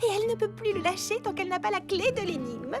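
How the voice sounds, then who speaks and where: Excitable young cartoon girl, high and sing-song, music loud. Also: fast. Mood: wry.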